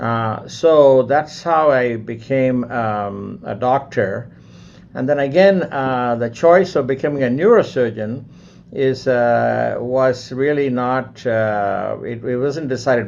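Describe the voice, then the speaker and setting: A man is speaking. He has a Tamil accent. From southern India, Tamil Nadu. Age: 70s. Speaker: neurosurgeon. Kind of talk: interview. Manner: halting.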